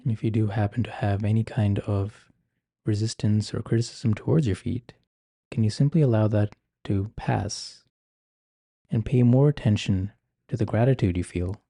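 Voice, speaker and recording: A man guiding a meditation in an ASMR-like style, speaking gently and giving soft, measured instructions. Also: fairly low pitch, fairly even intonation, vocal fry, no echo, clean studio sound. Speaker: meditation guide.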